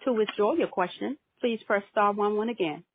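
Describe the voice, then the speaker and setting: A woman's voice: mid-range voice, normal speed. A woman working as a conference call operator, giving formal scripted instructions. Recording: narrow tinny phone line.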